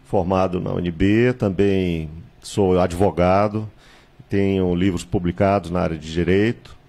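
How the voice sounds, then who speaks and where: Low, mellow-voiced man in his sixties. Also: steady tone, gravelly. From Salvador, Bahia, Brazil. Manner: measured, reminiscing, frequent hesitations and tag questions. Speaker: political candidate, guest. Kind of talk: studio interview, recounting his life. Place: small TV studio with virtual set. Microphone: handheld mic.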